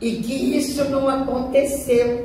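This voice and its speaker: Room echo is audible and light noise hums behind a woman as she talks. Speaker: panelist. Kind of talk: panel discussion answer. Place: hall. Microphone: podium.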